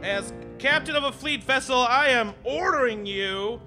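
Man acting a high-pitched, flustered starship captain. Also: a little slow, over music. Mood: indignant. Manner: flustered, theatrical. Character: bumbling, hesitant, indignant fleet captain. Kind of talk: live comedy sci-fi audio drama.

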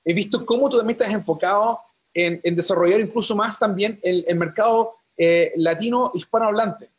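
Hombre de voz aguda y ronca. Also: male voice, high voice, moderate pace, husky. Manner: encouraging, many fillers. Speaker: interviewer. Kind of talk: interview questions.

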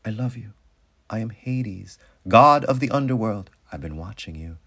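A storytelling man voicing a lovestruck god of the underworld, hushed, insistent and repetitive. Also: lowish voice, expressive, moderate pace, vocal fry, slightly rough, full character voice. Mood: insistent, adoring.

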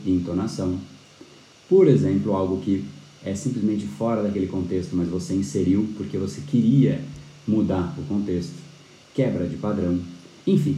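A man teaching a live-streamed persuasion class, animated, often tagging his points with quick questions and restarting words. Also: deep voice, reverberant, a little hiss or hum, poor audio. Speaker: persuasion course instructor.

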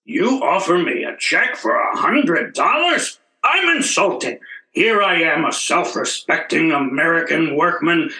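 An actor playing a smooth-talking, manipulative factory boss in theatrical old-time radio comedy style. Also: male voice, a little high, very animated, measured pace, sharp tone, exaggerated voice. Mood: indignant. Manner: theatrical, oratorical. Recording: roomy, echoing recording.

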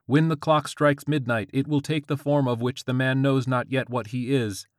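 A man's voice: mid-range voice, steady tone, normal speed, no room sound, clean studio sound, pitched above the performer's own voice, natural voice. A man voicing a wrathful, imperious god who gives urgent, declamatory orders in a narrated story.

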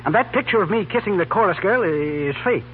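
Flustered father, lively old-radio voice. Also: high-pitched, quick pace. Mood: flustered, indignant. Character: flustered, indignant middle-aged father of a grown daughter. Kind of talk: 1930s radio comedy acting. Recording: tinny, noisy 1930s radio recording.

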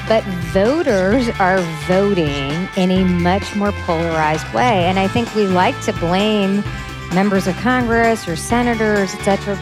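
A woman giving measured, analytical political commentary. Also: mid-range voice. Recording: music playing under the voice.

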